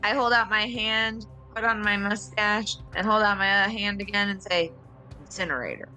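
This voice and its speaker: A woman's voice: mid-range voice, level tone, moderate pace, pushed and bright, faint music behind. A woman playing a tabletop roleplaying game, casually asking about rules and describing her character's moves.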